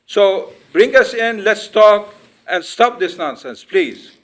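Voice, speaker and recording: Man, high voice, exasperated, scolding, pleading, public comment at a podium mic. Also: animated, slow pace, heavy background noise. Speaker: winery owner speaking at public comment. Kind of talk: public comment at a town board meeting. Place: town hall meeting room.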